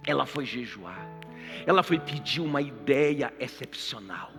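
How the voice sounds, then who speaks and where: A man's voice: medium pitch, expressive, measured pace, bright, forceful tone. A man, a pastor giving a sermon, telling the story vividly and addressing the listeners directly. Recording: reverberant church hall with faint music.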